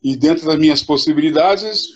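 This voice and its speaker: Husky older coach on a muffled stream. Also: male voice, on the high side. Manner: reflective, unhurried, with repeated "né?". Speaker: futsal coach, guest. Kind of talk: casual live interview chat.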